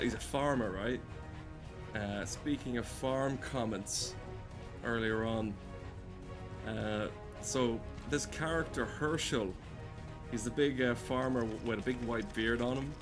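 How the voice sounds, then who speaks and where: Male game streamer, casual profane rambling, dry jokes, mid-pitched voice, loud music behind. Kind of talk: casual joking gameplay commentary.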